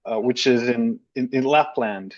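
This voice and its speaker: A man in his thirties hosting a podcast interview, speaking in a hesitant, halting way with frequent repeats. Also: medium pitch, darkish tone, no room sound, muffled recording. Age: 30s. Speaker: podcast host. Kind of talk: casual interview talk.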